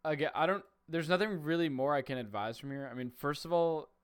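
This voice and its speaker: A man's voice: on the high side, a little fast, clear, resonant tone. A man in his twenties hosting a casual call, giving frank, laid-back advice in short replies. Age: 20s. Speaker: host.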